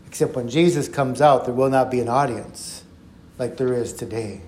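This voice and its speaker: A man teaching through a Bible passage on a podcast, telling it in an earnest, reflective way and slowing down for emphasis. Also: mid-range voice, darkish tone, slight background noise. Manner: earnest, reflective storytelling with slow emphatic quotes. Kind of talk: podcast Bible study talk. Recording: echoey room.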